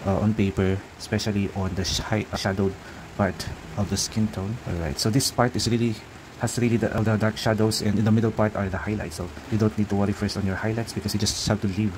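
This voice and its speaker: Filipino-accented man, lowish voice, halting tutorial talk, noisy background hum. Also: little pitch movement. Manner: halting, many fillers and restarts. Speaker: art tutor. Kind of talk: real-time drawing tutorial narration.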